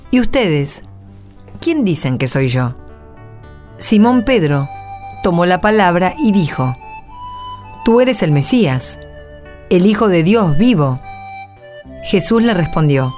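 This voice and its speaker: Low, expressive woman narrator over music. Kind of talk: scripted radio-play narration.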